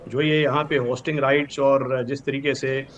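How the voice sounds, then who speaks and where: An older man with a Pakistani accent gives formal, measured news analysis as a guest expert, dropping in English terms. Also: medium pitch, little pitch movement. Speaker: retired brigadier, news analyst. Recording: clearly noisy with background ambience.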